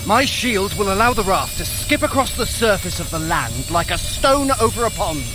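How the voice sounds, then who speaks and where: An actor playing a sharp-tongued, proud trickster god and sorcerer in an audio drama, theatrical, articulate and wryly sarcastic. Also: male voice, high voice, lively intonation, moderate pace, over music. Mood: dry, commanding. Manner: theatrical, haughty, articulate, wry. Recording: loud roaring storm and vehicle-like noise behind.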